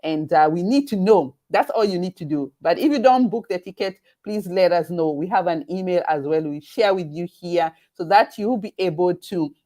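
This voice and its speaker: A woman with a Kenyan accent hosting a live webinar over a video call. She talks haltingly, with many fillers and restarts. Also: on the low side, animated, warm tone. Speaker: event host.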